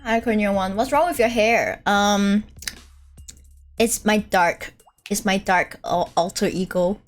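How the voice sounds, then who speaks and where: A woman's voice: mid-range voice, a little slow, soft background music. A woman streamer chatting casually and teasing her guest while reading out chat messages. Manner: playful teasing, lively singsong delivery. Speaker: streamer host.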